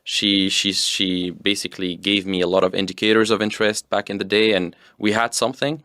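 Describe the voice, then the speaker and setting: Smooth-voiced man, dry and close. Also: fairly low pitch, fairly quick, dry recording. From Tunisia. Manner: relaxed, rambling with fillers and restarts. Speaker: guest. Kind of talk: casual interview storytelling.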